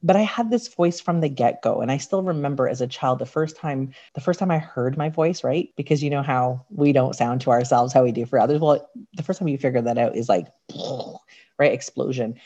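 Raspy-voiced woman sharing candid stories. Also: a little fast, warm tone. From Canada. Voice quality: raspy, a little deep. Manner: candid, reflective storytelling. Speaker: podcast guest. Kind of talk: casual podcast chat. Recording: dull lo-fi sound.

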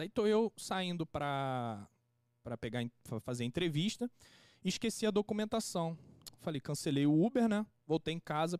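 A young man, a podcast guest casually telling an anecdote in a slangy, animated way and acting out the quotes. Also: sits high, no echo, studio quality.

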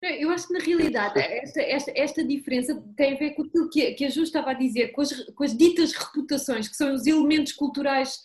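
Female, high register, European Portuguese accent, conversational, halting delivery with repeated words. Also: a little mellow. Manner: halting, repeats words while searching for phrasing. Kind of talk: conversational discussion.

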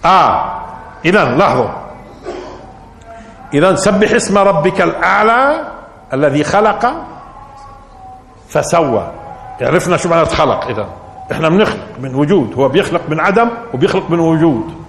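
Male preacher, high lively voice, teaching lesson, reverberant hall sound. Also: moderate pace, long pauses, a little hiss or hum. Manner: rising to emphatic peaks, asking the audience questions. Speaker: Islamic scholar teaching Quran interpretation. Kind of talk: Quran commentary lesson. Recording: echoey hall recording.

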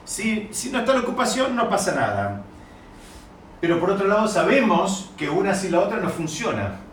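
A man's voice: sits high, big pitch swings, normal speed, fairly bright tone, a little hiss or hum. A man with a Rioplatense Spanish accent teaching a Torah class, posing questions to his students and often rephrasing as he explains. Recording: roomy recording with mic at a distance.

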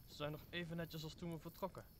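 A man's voice: on the high side, flat delivery, quick pace, noisy background, close to an everyday voice. A man playing a talkative, optimistic old counsellor who speaks formally in an audio drama. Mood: earnest, reassuring. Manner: formal, speechifying. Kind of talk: Dutch audio drama acting of Shakespeare.

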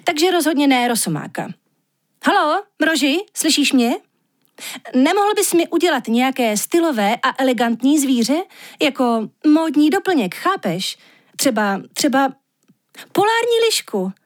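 A woman's voice: high-pitched, very animated, pitched above the performer's own voice. A vain, chatty young woman, played by a woman reading the tale, who talks eagerly in a raised, fussy voice. She sounds scatterbrained and self-absorbed, a figure from a storybook audiobook.

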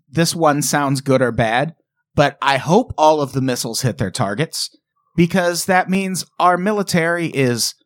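A man's voice: a little high, no echo, studio quality. A man co-hosting a podcast, talking in a sarcastic, wry, casual way. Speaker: podcast co-host. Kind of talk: casual comedic chat.

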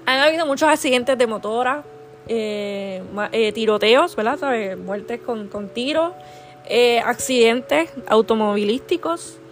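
A woman's voice: a little high, a little slow, soft background music. A woman hosting a podcast, giving a heartfelt devotional talk, earnest and affectionate, peppering her talk with "¿verdad?" and restarting phrases. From Puerto Rico. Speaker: podcast host sharing a devotional.

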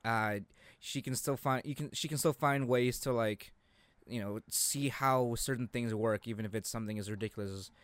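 A young man co-hosting a casual anime chat, haltingly repeating words as he searches for his phrasing. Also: mid-range voice, dry recording. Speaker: co-host of an anime discussion show.

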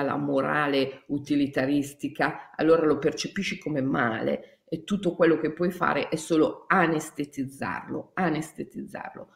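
Gravelly low woman, echoey room. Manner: emphatic, repetitive, laughs between phrases. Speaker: shamanic yoga teacher. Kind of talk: spiritual talk.

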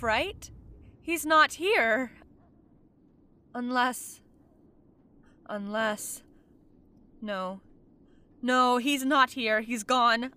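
A woman voicing a lonely amnesiac ghost trapped in a house, speaking slowly and wistfully, trailing off into repeats, in an audio drama monologue. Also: fairly high pitch, fairly bright tone, slight background noise. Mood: uneasy.

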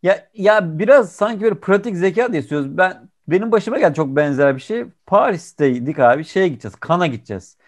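A man's voice: high-pitched, fast talker, hardly any pauses. A man from Turkey chatting casually, telling stories animatedly and agreeing often. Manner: animated storyteller, frequent agreeing "evet". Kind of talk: casual chat.

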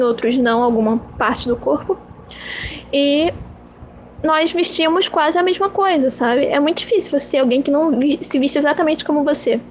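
A woman's voice: high voice, a little hiss or hum. A young woman hosting her own podcast, musing and rambling in a self-mocking, repetitive way. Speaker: podcast host. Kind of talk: casual rambling monologue.

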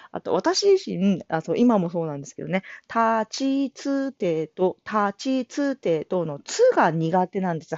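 A woman with a lowish voice rambles through her own solo talk show in a chatty, self-deprecating way, laughing often. Her pitch swings widely from phrase to phrase. The recording is dry and a little dull, like a low-fi home setup. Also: darkish tone, no echo. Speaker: solo audio show host. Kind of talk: casual spoken monologue.

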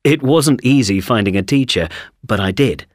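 A man's voice: mid-range voice, lively intonation, moderate pace, no room sound, studio quality. A man speaking in a scripted monologue for a language course, enthusiastic and fluent. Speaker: speaker in a listening exercise.

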